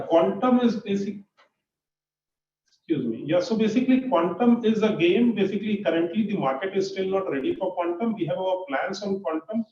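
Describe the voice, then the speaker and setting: Lively, high-pitched Indian man, distant and echoey. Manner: halting, repeats phrases, leans on "basically". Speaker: company executive. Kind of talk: earnings call answers, unscripted. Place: conference call. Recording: muffled, distant, echoey conference call.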